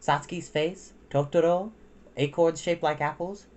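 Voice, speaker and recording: A woman reading a children's storybook aloud in an expressive narrating style. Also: low-pitched, moderate pace, a little hiss or hum. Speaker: storytime reader.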